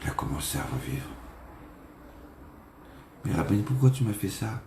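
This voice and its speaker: A man's voice: low voice, big pitch swings, moderate pace, creaky, mellow, roomy sound, a little hiss or hum. A man, a rabbi, preaching by telling a story and acting out its dialogue. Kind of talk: storytelling sermon.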